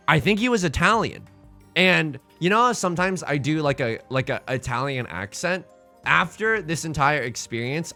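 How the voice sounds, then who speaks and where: A man streaming live, chatting casually with viewers in an animated, jokey way, often restarting and repeating his words. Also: on the high side.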